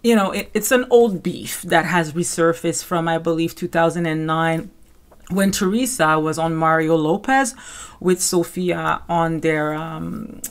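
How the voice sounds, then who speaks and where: A woman's voice: low-pitched, fairly even intonation, unhurried. A woman with a Caribbean French accent hosting a podcast, giving casual, conversational gossip commentary. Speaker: podcast host.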